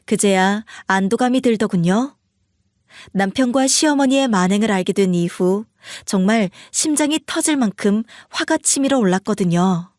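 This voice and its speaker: A woman's voice: medium pitch, expressive, moderate pace, a little mellow, no room sound, studio quality. A woman narrating a first-person story as the wife and speaking her lines in a cold, firm way.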